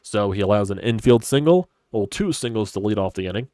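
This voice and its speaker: A man's voice: lowish voice, expressive, fairly quick, a little mellow, no room sound, clean studio sound. A young man in his twenties, congested and stuffy, hosting a casual solo sports talk stream and rambling with opinionated, casual swearing. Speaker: sports podcast host. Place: hot stuffy room at home.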